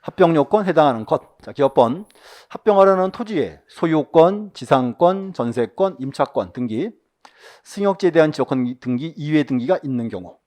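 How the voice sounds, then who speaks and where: A man teaching an exam-prep lecture, reading questions aloud and firing quick rhetorical questions at his listeners, with soft near-whispered asides. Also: fairly high pitch, animated.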